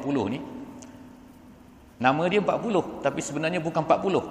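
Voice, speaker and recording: A man speaks with ordinary pitch variation. There is audible echo from the room. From Terengganu, Malaysia. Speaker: religious teacher. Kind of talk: religious lecture. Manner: conversational, with filler hesitations.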